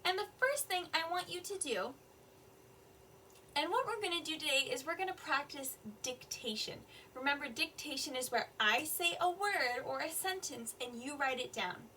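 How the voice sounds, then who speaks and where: A woman teaching an online kindergarten reading lesson, talking slowly and clearly in a sing-song voice to small children. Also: high-pitched, animated, sharp tone, a little hiss or hum. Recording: slightly distant mic with faint room ambience.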